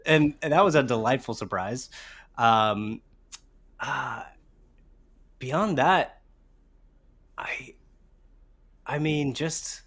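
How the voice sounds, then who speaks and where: A man with an average-pitched voice talks as a podcast co-host. His style is casual and informal, and he comes across as agreeable in conversation. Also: drawn-out words, long pauses, a bit bright. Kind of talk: casual chat.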